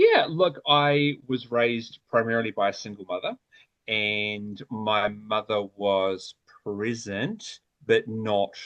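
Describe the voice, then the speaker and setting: In a New Zealand accent, a man talks at a medium pitch with ordinary pitch variation, the sound dry and close with no echo against a quiet background. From New Zealand, lower North Island. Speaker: life coach. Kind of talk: podcast interview. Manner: hesitant, many fillers and repetitions.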